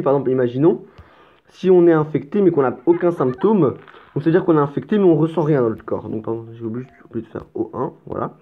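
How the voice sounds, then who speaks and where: Chatty man with a tinny lo-fi sound. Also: a little high. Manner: chatty and explanatory, with stammers and mild swearing. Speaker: let's play host. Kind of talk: casual gameplay commentary.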